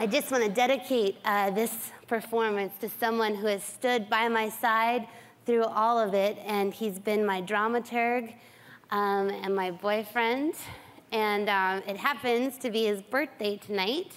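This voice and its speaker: Her intonation fairly even and her loudness very even, a woman speaks at a fairly slow pace. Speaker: comedian. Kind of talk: stand-up comedy performance. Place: stage. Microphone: lapel.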